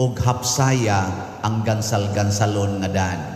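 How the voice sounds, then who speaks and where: A man talks at a very slow pace, with audible room echo. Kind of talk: homily with jokes. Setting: church. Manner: animated; humorous, teasing, laughing. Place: church. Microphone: podium.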